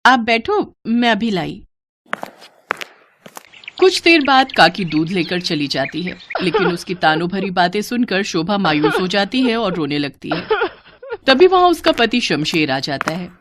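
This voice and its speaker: A woman narrating a scripted moral story in an expressive storytelling style. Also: on the low side, moderate pace, a little hiss or hum.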